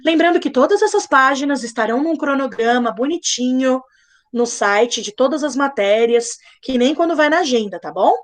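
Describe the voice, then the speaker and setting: A young woman teaching a live online class to children, patient and playful, slowly spelling things out. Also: sits high, animated. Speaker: primary school teacher.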